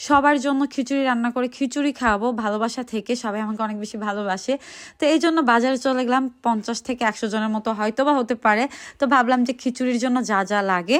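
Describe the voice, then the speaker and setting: Her pitch is high and her intonation fairly even as a woman speaks. The recording is very clean, with a silent background. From Bangladesh, Dhaka. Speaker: vlogger. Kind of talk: vlog narration.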